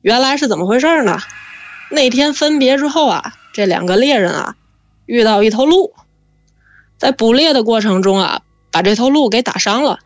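A woman telling a spooky family story in a lively, chatty way, drawing out her fillers. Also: on the high side, moderate pace, dry recording, dull audio. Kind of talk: casual spoken storytelling.

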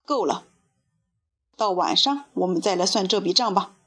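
A woman voicing a huge, menacing bearded puppet theater owner, gruff and hoarse. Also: medium pitch, lively intonation, normal speed, a bit bright, voice pushed down. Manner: gruff and threatening.

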